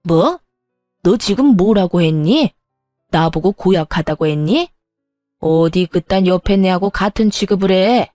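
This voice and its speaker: A woman's voice: on the low side, expressive, unhurried, dark tone, no room sound, faint music behind. A woman voicing a harsh, domineering older mother-in-law in a dramatized story, scolding with contempt. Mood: furious.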